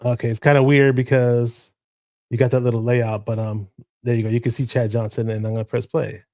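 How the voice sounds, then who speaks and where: Dude rambling about football, lots of restarts, dry close sound. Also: male voice, mid-range voice, level tone, brisk, dark tone, no echo. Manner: rambling, full of restarts and fillers. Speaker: podcast host. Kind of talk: casual sports chat.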